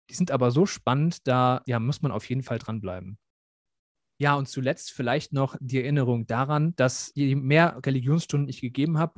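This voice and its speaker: A man's voice: mid-range voice, dry recording. Earnest young German man, dry close sound. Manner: reflective, earnest, many fillers. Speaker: student teacher guest. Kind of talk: podcast interview.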